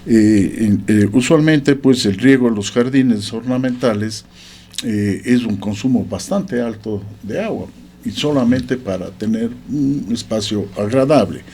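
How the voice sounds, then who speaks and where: A man's voice: medium pitch, a little slow, dark tone, slight background noise. A man explaining points as a radio interview guest, hesitant with many fillers. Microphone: studio microphone.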